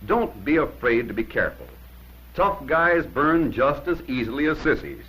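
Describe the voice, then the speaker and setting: Husky, animated 1950s training film narrator, man. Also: mid-range voice, normal speed, low-quality recording.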